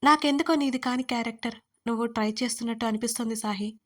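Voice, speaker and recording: A woman voicing a chatty young college girl who loudly teases her best friend. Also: on the high side, fast, close to an everyday voice. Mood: teasing.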